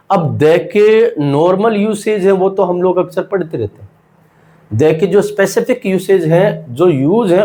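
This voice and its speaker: An English teacher in a classroom lesson speaks in a fairly high, slightly mellow voice, with a little hiss or hum in the recording. Teaching grammar, he asks rhetorical questions, then voices his students' questions himself and answers them.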